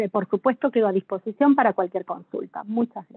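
Against a quiet background, a woman speaks at a fairly high pitch with lively intonation in a dry sound with no echo. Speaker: program manager. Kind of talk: informational presentation. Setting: video call. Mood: polite, helpful closing. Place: home room. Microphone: webcam.

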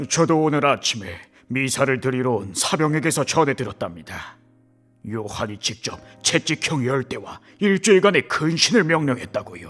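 A man performs in a put-on character voice at medium pitch. Faint music plays in the background. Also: moderate pace. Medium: audio drama. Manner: soft, confiding.

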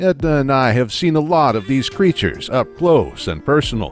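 With music in the background, the speaker talks at a moderate pace using lively intonation. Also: man, medium pitch for a man. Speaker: narrator, guest storyteller. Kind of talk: documentary narration.

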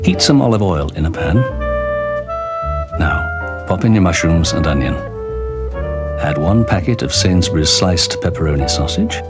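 Loud music plays in the background as a man speaks. He leaves long, frequent pauses. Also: moderate pace. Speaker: voiceover artist, actor. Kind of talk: TV commercial read, recipe instructions. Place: studio.

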